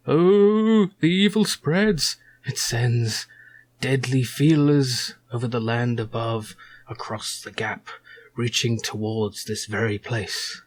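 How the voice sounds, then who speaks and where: Dramatic old doomsaying tribal seer. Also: male voice, mid-range voice, slightly rough. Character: fearful old tribal seer, fatherly and prophetic.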